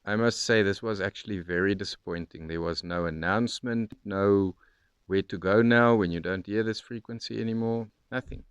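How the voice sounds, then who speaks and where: Very deep, smooth male voice, dry. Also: normal speed, no room sound, highs cut off. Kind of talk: spoken personal commentary.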